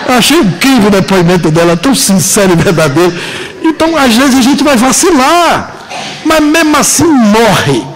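A man with a Brazilian Portuguese accent lectures a live audience in an auditorium. His voice sits high and leaps all over the place as he stresses his points, slowing into long dramatic pauses between jokes. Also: big pitch swings, rough recording. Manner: emphatic, joking, drawn-out dramatic pauses. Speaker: seminar lecturer.

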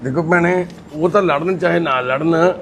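A man's voice: a little high, normal speed. A man working as a charity volunteer, talking in a consoling, brotherly and firm way. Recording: loud background noise.

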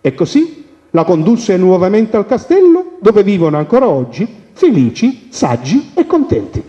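An animated storyteller with a high voice that swoops up and down, telling folk tales with playful asides. His tone is warm and mellow. It is heard through a dull, lo-fi radio recording with a long reverb. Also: normal speed, slight background noise. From Calabria.

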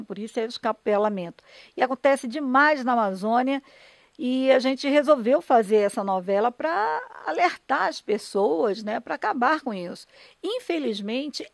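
A woman's voice: fairly high pitch, gravelly, dry recording. A Brazilian woman, a radio dramatist and broadcaster, explaining her work conversationally and earnestly in an interview, often checking for agreement.

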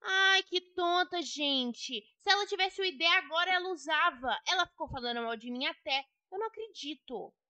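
A woman's voice: very high voice, lively intonation, normal speed, few pauses, bright, forceful tone, no echo. A young woman with a Brazilian Portuguese accent giving gossipy, indignant role-play commentary on a game to her viewers. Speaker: Roblox gamer.

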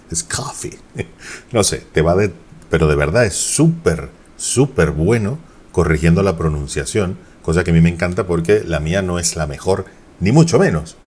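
A man hosting a video, chatting casually and quickly while demoing an app, laughing now and then. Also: deep voice, darkish tone. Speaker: tech YouTuber. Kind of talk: casual sponsored app demo.

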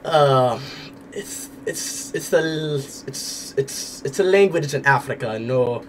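A man's voice: mid-range voice, animated, slow pace, a little hiss or hum, low-quality recording. A young man livestreaming on a headset mic in an indoor room, talking casually and hesitantly, often repeating the same word. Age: young adult. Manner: hesitant, repeats words over and over.

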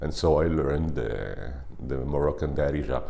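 A man in his sixties, a native French speaker, answering questions on camera from a sofa, measured and a little hesitant. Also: rumbling low, animated, creaky, mellow, slight background noise. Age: 60s. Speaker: Arabic teacher. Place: living room, on a sofa.

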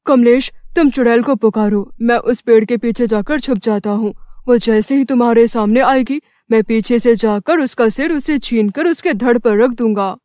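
Man acting an excitable cartoon village man. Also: extremely high pitch, moderate pace, hardly any pauses, no echo. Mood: challenging. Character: bickering, excitable village men in horror cartoon.

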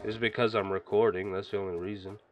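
A man hosting a gaming channel, chatting casually and reacting excitedly as he plays, sniffling from a stuffy nose. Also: on the low side, fast, slight background noise. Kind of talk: casual game commentary.

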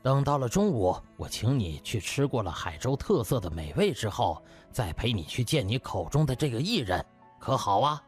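A man's voice: mid-range voice, sing-song, moderate pace, soft background music, natural voice. A man voicing a genial, courteous male doctor in an audio drama, speaking with polite hospitality. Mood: cheerful.

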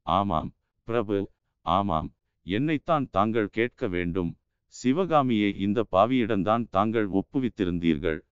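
A man's voice: fairly low pitch, expressive, unhurried, clear, resonant tone, no echo. A man voicing a grief-stricken elderly sculptor who laments his lost daughter, in a dull, lo-fi audiobook recording. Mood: anguished. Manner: wailing, lamenting.

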